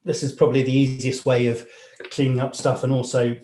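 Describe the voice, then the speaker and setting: A young man from Nigeria talks through his jewellery work as he files and sands at the bench, relaxed and unhurried, with plenty of ums and restarts. His voice sits at an ordinary middle pitch. The small workshop is echoey, with a faint hiss and the clicks of tools behind him. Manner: relaxed, hesitant, many fillers, talks while working. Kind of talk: live demonstration with interview answers.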